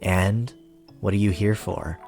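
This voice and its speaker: A woman's voice: rumbling low, steady tone, slow pace, vocal fry, darkish tone, soft background music, full character voice. A woman voicing a jaded, foul-mouthed village boy in a story game, blunt, curt and mocking. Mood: dismissive. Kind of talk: dramatic character voice reading of a story game.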